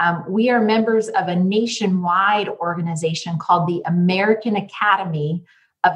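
A woman speaks at a moderate pace in a somewhat breathy voice with fairly even intonation. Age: 50s. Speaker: estate planning attorney. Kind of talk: podcast interview.

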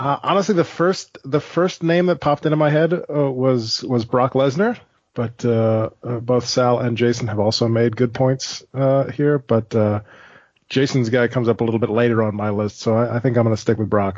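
At a moderate pace, a man talks in a normal speaking voice. His pitch is medium with ordinary variation. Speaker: wrestling podcast guest. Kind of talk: casual banter.

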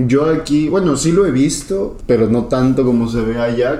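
This is a normal speaking voice from a man. He speaks at a moderate pace. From Mexico. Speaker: podcast co-host. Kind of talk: casual chat.

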